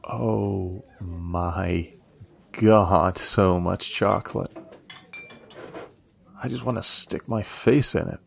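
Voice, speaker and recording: A male actor plays a friendly, protective young café worker in a romance audio roleplay, sounding curious and admiring, gently teasing, and pausing hesitantly. His voice is lowish and gravelly, exaggerated in delivery, with a friendly, helpful mood. Soft guitar music plays, along with slight background noise.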